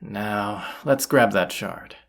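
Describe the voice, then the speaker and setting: An actor playing a gruff, teasing bandit leader in a roleplay audio drama, with a husky voice and a sardonic, folksy drawl. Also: low voice, slow pace, heavily acted. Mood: wry, teasing.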